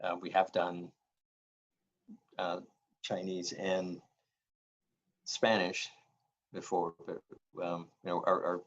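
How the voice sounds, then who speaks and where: A man's voice: low-pitched, monotone, slow, pauses often, highs cut off. A man chairing a public meeting by video call, agreeable and supportive, with hesitant fillers. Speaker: library official leading the meeting.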